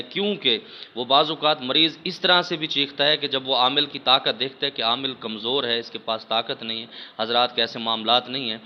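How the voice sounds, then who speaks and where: A man's voice: medium pitch, lo-fi sound, slight background noise. A man teaching viewers earnestly, a spiritual healer explaining how to treat a patient, speaking in an instructional religious talk. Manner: earnest, addresses listeners repeatedly as respected audience.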